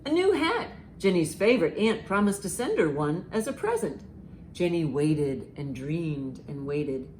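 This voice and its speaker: A woman hosting a children's storytime, reading aloud and reciting rhymes with expressive, deliberate emphasis. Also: deep voice, slight background noise. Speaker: library storytime host.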